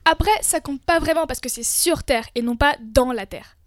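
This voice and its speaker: A young woman co-hosting a scripted debate show, lively and opinionated. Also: sits high, moderate pace, dry recording, studio quality. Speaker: co-host.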